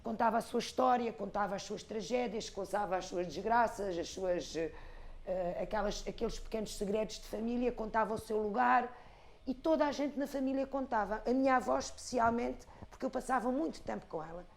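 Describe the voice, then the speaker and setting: A Portuguese woman in her fifties from the Algarve, an expressive storyteller talking about her life and craft, with an Algarve accent. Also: on the high side, brisk, gravelly. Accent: European Portuguese, Algarve. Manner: expressive storyteller, rhythmic lists. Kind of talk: reflective interview talk.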